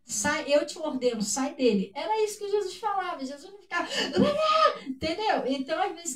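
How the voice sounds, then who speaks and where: Brazilian woman guest, high voice, preaches as she chats, a bit far from the mic. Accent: Brazilian Portuguese. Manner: preacherly, repeats words, acts out shouts. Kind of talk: casual chat about faith. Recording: echoey room, voice from a distance.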